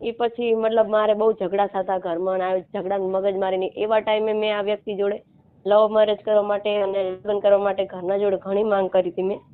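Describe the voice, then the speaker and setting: A woman in her thirties from Gujarat with a Gujarati accent, explaining haltingly and repetitively as a caller seeking help. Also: medium pitch, level tone, clean tone. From Gujarat, India. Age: 30s. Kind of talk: casual phone conversation. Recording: narrow, muffled phone-call line.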